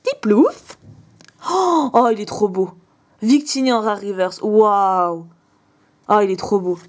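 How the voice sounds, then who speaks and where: A young woman vlogger opening fan mail in casual chat, gushing with quick exclamations and asides. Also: mid-range voice.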